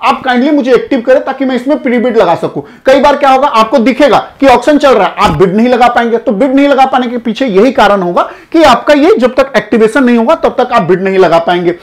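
A thirtysomething channel host and customs auction consultant walks viewers through an auction listing, standing before a projected screen in an indoor studio and wearing a lapel mic. He's lively and direct, gesturing broadly, speaking in a very high voice, fairly quickly and with hardly any pauses.

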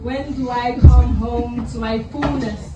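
A young woman, possibly with a Nigerian English accent, performing spoken word poetry into a handheld mic in a lounge, soft and measured, building to emphatic lines. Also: a little high, fairly even intonation, lo-fi sound. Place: small lounge venue, indoors. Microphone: handheld mic, filmed by phone from the audience. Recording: roomy, distant, loud music behind.

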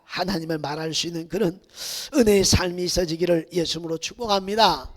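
A man preaching a Sunday sermon as pastor, swinging between shouted exhortation and hushed near-whispers. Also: high voice, brisk. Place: church sanctuary. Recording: reverberant church hall.

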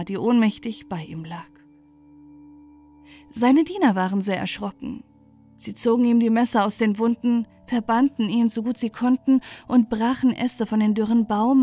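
A woman's voice: a little high, mellow. A woman narrating a scripted bedtime fairy tale as a storyteller. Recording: music bed under the voice.

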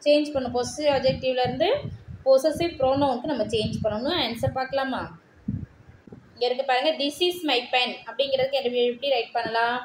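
A woman teacher with a Tamil accent goes through textbook answers, reading English sentences slowly and deliberately. Her voice sits a little high. The room is echoey, with a faint hiss underneath. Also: fairly even intonation. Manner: mixes Tamil with English terms, reads English sentences slowly word by word.

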